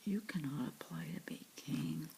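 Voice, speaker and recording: A gloomy, discouraging palace guard from a storybook, whispered by a woman. His words come slow and low in a gravelly whisper. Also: dark tone, a little hiss or hum, full character voice.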